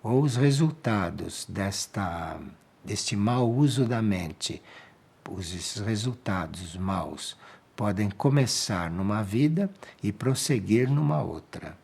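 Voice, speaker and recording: Slow husky-voiced Brazilian spiritual teacher. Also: male voice, on the low side. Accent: Brazilian Portuguese. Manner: calm, measured, repeats key phrases for emphasis. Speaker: spiritual teacher giving a monthly talk. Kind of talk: slow reflective spiritual talk answering questions.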